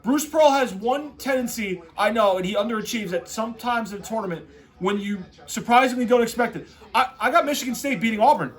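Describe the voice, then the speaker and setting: High-pitched, animated frat-bro guy. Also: a little fast. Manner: excitable frat-bro talk, heavy on "bro" and "dude". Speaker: host reacting to a tournament bracket. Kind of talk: casual off-the-cuff sports reaction.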